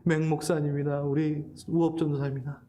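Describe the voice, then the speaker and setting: A man's voice: a little high, level tone, brisk, dark tone, a little hiss or hum. A middle-aged male pastor giving a sermon, laughing and emotional while telling a personal story, then preaching earnestly.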